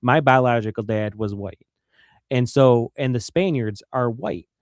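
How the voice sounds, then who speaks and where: Male guest with a Michigan accent, mid-pitched and earnest, repeats himself for emphasis, dry studio sound. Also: measured pace, dry recording. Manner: earnest, repeats words when stressing a point. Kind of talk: earnest conversational interview.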